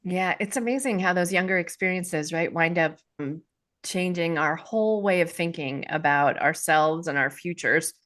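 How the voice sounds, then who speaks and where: A woman's voice: on the low side, moderate pace, a bit bright. A woman hosting an interview podcast, reading a guest's bio and asking questions with enthusiasm. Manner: enthusiastic, upbeat. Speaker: podcast host.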